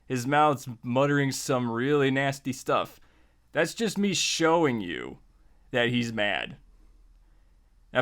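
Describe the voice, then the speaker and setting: A man's voice: mid-range voice, fairly bright tone. An American man giving a casual tutorial, speaking in a jokey, conversational way straight to the listener. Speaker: host of a writing tutorial series.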